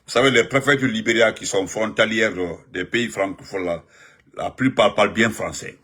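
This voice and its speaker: A man, giving animated live-stream political commentary and greeting viewers, repeating himself and jumping up in pitch when he stresses a point. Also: moderate pace, slightly rough. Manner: excited, repetitive, pitch jumps up sharply when emphatic.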